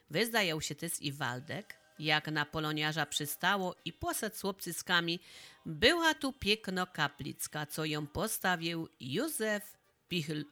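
A woman with a Podhale highland accent reading a folk tale in highland dialect, in a slow, homely way. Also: pushed and bright. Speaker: storyteller.

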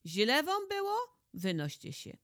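A woman with a Podhale highlander accent voicing a stern old village lord who mocks and scolds in a folk tale. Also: sing-song, unhurried, no room sound, studio quality. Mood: scolding. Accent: Polish highlander (Podhale). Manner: mocking, scolding.

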